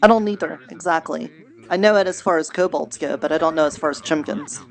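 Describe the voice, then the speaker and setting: A woman's voice: low voice, fairly quick, gravelly. A woman voicing a friendly, naive kobold cleric in an improvised roleplay game, rambling earnestly and stumbling over words. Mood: chatty. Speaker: roleplay streamer. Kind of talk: improvised in-character virtual reality roleplay chat.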